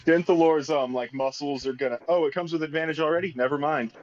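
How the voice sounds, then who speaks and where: Higher-voiced man, questioning game player. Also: steady tone, quick pace, a little mellow. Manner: questioning, reasoning aloud. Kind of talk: casual game table chat. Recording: slightly dull, band-limited sound.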